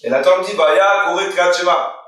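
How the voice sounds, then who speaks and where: In a Torah lesson, a rabbi relates a story with quoted dialogue for each character and puts questions to his audience. His high-pitched voice moves at a moderate pace with a fairly bright tone, captured far from the mic in a very echoey hall or study room.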